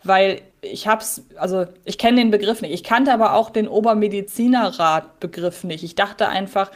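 A woman's voice: mid-range voice, normal speed. A woman co-hosting a podcast, chatting in a reflective way about an old audio drama episode she heard as a child. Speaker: podcast co-host.

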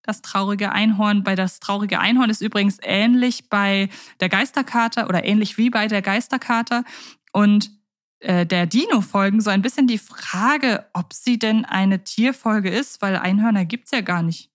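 A woman co-hosting a podcast chats casually, thinking aloud with plenty of fillers. Her voice is medium-pitched and moves at a normal speed.

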